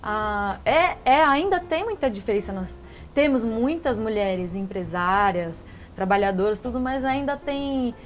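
A woman who was once a musician, talking as a panel guest, lively and making a case. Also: a little high. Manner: lively storyteller, argumentative. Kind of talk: casual talk-show conversation. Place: living-room studio set.

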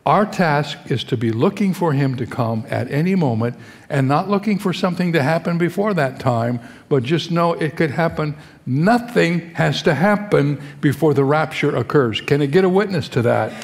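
A man's voice: on the high side, animated, normal speed. An older man preaching a sermon to a congregation, talking in a conversational way and asking the crowd questions. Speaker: pastor. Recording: long hall reverb.

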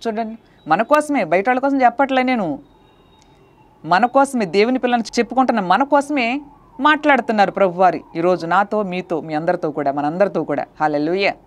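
A woman's voice: medium pitch, lively intonation, fairly quick. A woman preaching a sermon with fervent, emotional pleading, asking the congregation rhetorical questions and breaking into hallelujahs.

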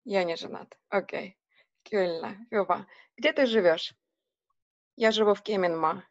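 Woman in her 30s, unhurried teacher, lo-fi webcam sound. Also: mid-range voice. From Russia. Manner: patient, repeats and translates phrases. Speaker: language teacher. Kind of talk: online one-on-one lesson. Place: home room, on a video call. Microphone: laptop webcam mic. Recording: dull lo-fi video call audio.

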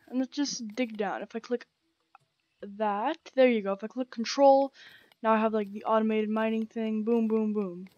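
A young woman talks through her gameplay in a casual, rambling way, dropping slang and plenty of ums. Her voice sits a little high and sounds croaky from a sore throat. The recording is dry and slightly dull, close on a headset mic. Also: darkish tone, no echo. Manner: chatty, rambling, slangy with many fillers. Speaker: gaming channel host. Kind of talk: casual let's-play commentary. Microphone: gaming headset.

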